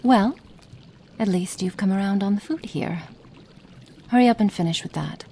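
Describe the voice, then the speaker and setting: A woman voicing a cruel, cold witch experimenting on a captive in an ASMR roleplay, speaking slowly and menacingly and slipping into soft whispers. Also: mid-range voice, slight background noise, close to an everyday voice. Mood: clinical, curious.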